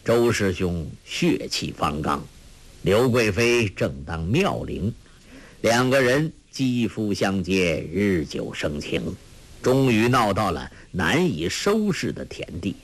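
Man playing an old monk, calm, gentle, grave, low and measured, storybook. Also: full character voice.

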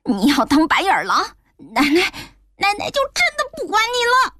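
A woman's voice: extremely high pitch, huge pitch swings, normal speed, bright, forceful tone, no room sound, clean studio sound, pitched above the performer's own voice, full character voice. A woman voicing a stubborn, angry old grandmother with bad legs, indignant and wailing in a storybook reading.

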